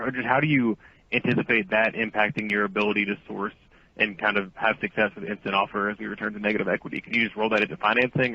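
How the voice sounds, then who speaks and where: A man's voice: fairly low pitch, dry recording. A man asking questions as a financial analyst phoning in to an earnings call. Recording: dry, muffled phone line.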